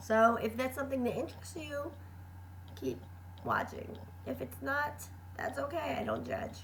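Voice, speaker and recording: The woman talks at a moderate pace with long, frequent pauses. Room echo is audible. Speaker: crochet and book vlogger. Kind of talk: casual chat. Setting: home, recording at desktop computer. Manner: hesitant, many fillers.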